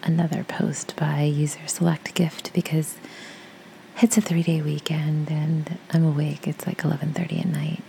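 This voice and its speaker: A woman with a raspy voice, reading a post aloud in a soft, casual whisper. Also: low-pitched, flat delivery, moderate pace, a little hiss or hum, rough recording. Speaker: audio creator reading posts.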